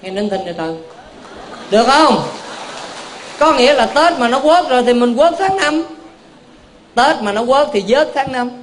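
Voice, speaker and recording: A man's voice: sits high, fairly bright tone, a little hiss or hum. A male Buddhist monk gives a folksy, joking dharma talk, constantly tossing questions back to a live audience in a temple hall. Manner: keeps quizzing the audience with call-and-response questions; homely, joking, folksy preaching.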